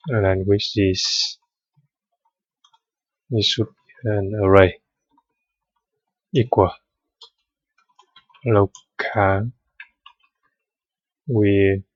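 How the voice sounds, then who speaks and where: A man's voice: lowish voice, dry recording, dull audio. A man whose first language is Vietnamese, explaining code step by step in a screen-recorded tutorial with many hesitant fillers. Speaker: programming tutor.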